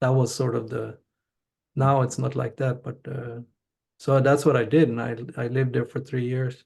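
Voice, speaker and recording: Against a quiet background, a man with an American accent talks at a moderate pace in a medium pitch, somewhat breathy and monotone, with long, frequent pauses. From Sweden. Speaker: spiritual teacher. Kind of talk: interview conversation. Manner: halting.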